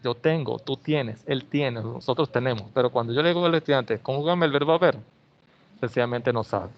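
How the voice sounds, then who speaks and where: A man's voice: medium pitch, fairly quick. A male English teacher, explaining grammar in an online class and often checking in with "ok?". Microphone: video call. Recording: slightly dull video-call audio.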